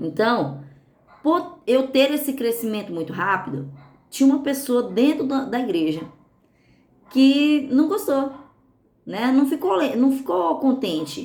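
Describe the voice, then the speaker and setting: Her high-pitched voice swings very widely in pitch as she talks at a fairly slow pace, with long, frequent pauses and audible room echo. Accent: Brazilian. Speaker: pastor. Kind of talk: sermon.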